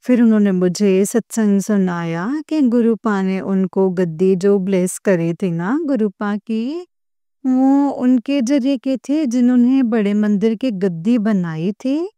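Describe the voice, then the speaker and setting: A woman's voice: mid-range voice, takes it slowly, mellow, clean tone, dry recording. A young woman earnestly retelling a personal devotional experience to fellow believers, full of emotion and quoted back-and-forth. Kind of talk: heartfelt personal testimony.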